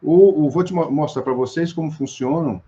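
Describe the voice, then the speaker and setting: A man's voice: on the high side, normal speed, warm tone, highs cut off. A Brazilian man speaking as an interview guest, explaining poetry with many restarts and fillers. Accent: Brazilian Portuguese.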